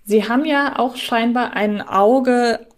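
A woman's voice: a little high, slow. A woman co-hosting a podcast, thinking aloud in a casual, conversational way. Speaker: podcast co-host.

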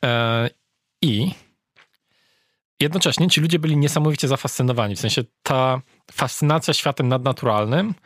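Relaxed man, dry close sound. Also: medium pitch, normal speed, pauses often, no echo. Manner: relaxed, hesitant with fillers. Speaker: travel reporter guest. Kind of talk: casual interview chat.

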